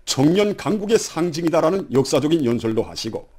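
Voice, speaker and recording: A man's voice: a little high, big pitch swings, fairly quick, mellow. A man with a North Korean accent reads a solemn, reverent scripted television news narration in a declamatory manner.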